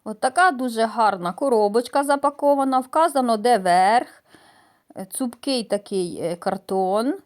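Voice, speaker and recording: A middle-aged woman from the Mykolaiv region of Ukraine, chatting homely and hesitantly in a casual vlog, with many fillers and pauses. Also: on the high side. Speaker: gardening vlogger. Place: outdoors in a village garden. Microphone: voice-over added after filming.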